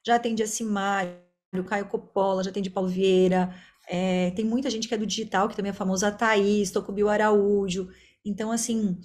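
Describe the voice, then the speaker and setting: A woman's voice: mid-range voice, darkish tone. A Brazilian woman speaking as an interview guest, a speech therapist explaining her work in a talkative, conversational way. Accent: Brazilian Portuguese.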